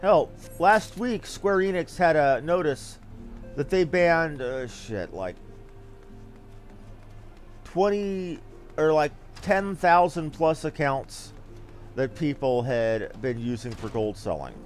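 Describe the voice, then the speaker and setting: A man's voice: on the high side, lively intonation, slow, faint music behind. A man giving casual live game commentary as a streamer, rambling and blunt with some mild swearing. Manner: rambling, blunt, mildly profane.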